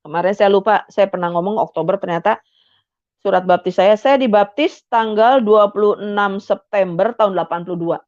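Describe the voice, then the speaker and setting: A woman's voice: mid-range voice, a little fast, a little mellow, dry recording, dull audio. An older woman telling her life story as a guest, chatty, with many fillers, acting out the dialogue she remembers. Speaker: guest giving a conversion testimony. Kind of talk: personal testimony storytelling.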